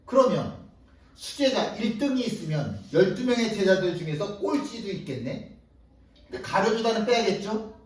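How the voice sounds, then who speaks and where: A man preaching a sermon as pastor, telling the story in an animated way and acting out the voices of the people in it. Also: high-pitched. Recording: echoey hall, distant mic.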